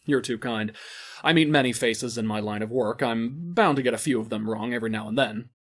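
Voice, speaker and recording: A man's voice: medium pitch, brisk, fairly bright tone, close to an everyday voice. Casting: male actor as ruthless loan shark for audio drama, smugly cruel, condescending false courtesy that flips to menace. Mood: smug, silky. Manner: mock-courteous and condescending, erupting into menacing outbursts.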